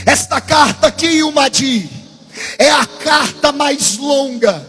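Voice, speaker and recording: A Brazilian preacher with a very high, strained voice delivers a Pentecostal sermon in a big church. He shouts in a rising, sing-song cadence and calls on the crowd to answer. His pace is slow and drawn out, with soft music playing under him. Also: lively intonation, in a large hall. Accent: Brazilian Portuguese. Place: large church.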